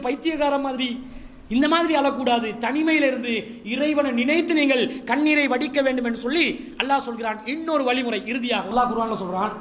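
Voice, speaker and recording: Male preacher with a very high voice, humorous storyteller. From Sri Lanka. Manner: humorous, lively storytelling with mimicry and asides. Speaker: Islamic preacher. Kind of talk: Ramadan lecture series talk.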